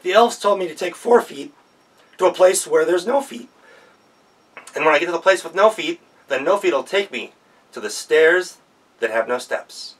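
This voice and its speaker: A man's voice: on the high side, animated, normal speed, slightly rough, distant mic, pitched above the performer's own voice, low-quality recording. A man voicing a brave young girl on a quest, talking in an eager, pleading way.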